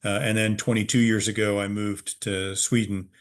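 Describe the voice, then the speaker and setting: A middle-aged American man from Virginia, a museum's head of research, explaining history as an interview guest over a video call, measured and pausing often with "uh". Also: on the low side, level tone. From Virginia, USA. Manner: measured, with frequent "uh" pauses.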